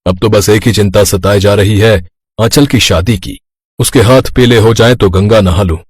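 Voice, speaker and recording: A man's voice: fairly low pitch, moderate pace, a little mellow, slightly rough, no room sound, clean studio sound. A man voicing a kindly, worried elderly rich father in a cartoon story, affectionate and fretful. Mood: fond, worried.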